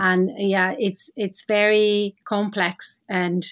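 A woman speaks in a Brazilian accent at a medium pitch. Her intonation is monotone and flat, with a quiet background. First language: Portuguese. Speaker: physiotherapist and para sport classification manager. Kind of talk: interview.

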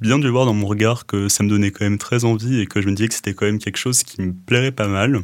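Over a silent background in a very clean recording, a man speaks at a fairly quick pace in an ordinary speaking voice. His pitch is fairly low, and his intonation stays fairly even. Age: 20s. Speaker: student opera singer. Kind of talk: interview testimony.

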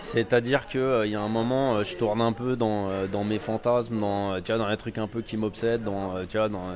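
A man's medium-pitched voice at a moderate pace, fairly even in intonation, with noticeable background noise. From Paris suburbs, Val-de-Marne. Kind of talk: interview. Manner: casual, hesitant.

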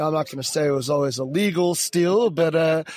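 A man with a normal speaking voice and an American accent speaks at fairly high pitch with fairly even intonation. The sound is dry and close, with no echo. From Florida, US. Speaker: amateur rugby coach. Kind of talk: post-match interview. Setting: outdoors outside a pub.

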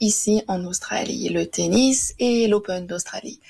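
Medium pitch marks this woman's normal speaking voice, and her intonation stays fairly even. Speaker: radio host. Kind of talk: radio interview and presenting. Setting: studio.

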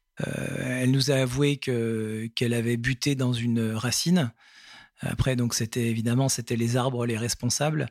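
On a very clean recording with a silent background and dry, close sound with no echo, a man speaks in a medium pitch with monotone, flat intonation. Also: moderate pace. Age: 40s. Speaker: person recovering from alcohol addiction. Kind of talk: testimony. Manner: halting.

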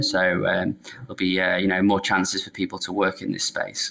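Here a man speaks with a fairly low pitch. His tone is bright and sharp. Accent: northern English. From Blackpool, northern England. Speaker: SEO and voice agency founder. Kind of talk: casual interview chat.

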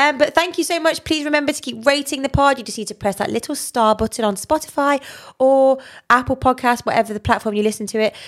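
Loud and lively in her intonation, a woman speaks. Her pace is very fast. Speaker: podcast co-host. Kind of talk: casual chat.

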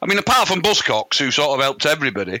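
A man's fairly high, bright and sharp voice with vocal fry and a Mancunian accent, very fast, with very wide pitch swings, in a dry, close sound with no echo. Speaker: podcast host and former band musician. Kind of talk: casual chat; scripted introduction.

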